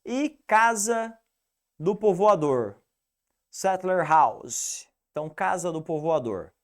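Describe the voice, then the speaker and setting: A male English teacher with a Piracicaba accent, giving an animated, didactic video lesson and repeating the rules for the student. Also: high voice, a little slow. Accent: Piracicaba interior São Paulo, rolled R.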